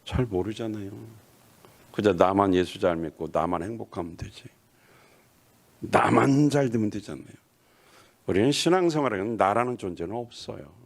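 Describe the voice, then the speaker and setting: A man's voice: on the low side, animated, normal speed, long pauses. A middle-aged male pastor preaching a sermon, acting out quoted lines and asking questions of the congregation.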